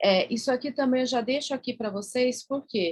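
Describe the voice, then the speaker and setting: A woman with a Paraná accent talks at a moderate pace. Her voice is somewhat breathy, with ordinary pitch variation. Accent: Paraná accent (Brazilian Portuguese). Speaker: physiotherapy exam-prep teacher. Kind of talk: online lecture. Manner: conversational, with many fillers.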